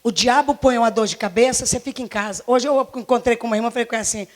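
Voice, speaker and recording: A woman pastor in her forties with a Brazilian Portuguese accent, preaching a fervent sermon in a church, her voice slightly hoarse, repeating herself and firing rhetorical questions. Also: a little high, very fast. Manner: impassioned, repetitive, many rhetorical questions. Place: church service.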